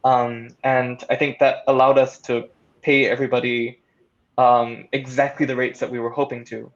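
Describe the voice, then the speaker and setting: A man's voice: mid-range voice, flat delivery, normal speed. Articulate man, slightly dull lo-fi sound. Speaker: audio drama producer on a panel. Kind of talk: casual panel discussion.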